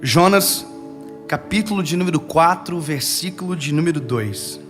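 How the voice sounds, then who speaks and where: A young Brazilian man preaching a sermon, swinging from loud urging to hushed, slow words. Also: fairly high pitch, animated, soft background music.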